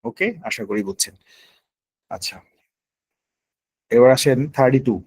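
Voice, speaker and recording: A man's voice: mid-range voice, unhurried, a little mellow, no echo. A man running a live online spelling quiz, counting down and spelling words out letter by letter. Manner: patient, explanatory. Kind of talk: live online class, calling on students.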